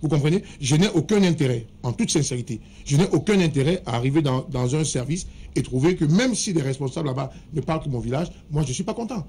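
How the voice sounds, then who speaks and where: A man's voice: a little high, animated, fast talker, hardly any pauses, dark tone, breathy edge. A man arguing his point in a heated studio debate, insisting that he be allowed to finish speaking. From Cameroon. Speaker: political debate panelist.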